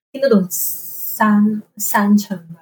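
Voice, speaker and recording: A woman with a Cantonese accent speaks at a fairly high pitch, her voice somewhat breathy. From Hong Kong. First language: Cantonese (speaking Chinese). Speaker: podcast guest learning English. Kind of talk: casual chat.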